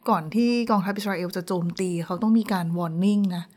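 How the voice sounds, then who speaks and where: A woman's voice: mid-range voice, fairly even intonation, brisk, a little mellow. Woman co-host asking questions. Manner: questioning, reacting. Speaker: radio co-host. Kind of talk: casual news chat.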